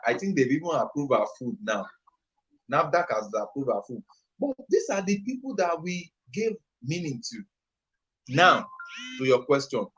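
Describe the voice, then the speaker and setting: A man's voice: mid-range voice, lo-fi sound. A man with a Nigerian accent, an entrepreneur answering an interview question on a live stream, talking in a passionate, emphatic, rambling way. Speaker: entrepreneur and youth trainer, guest.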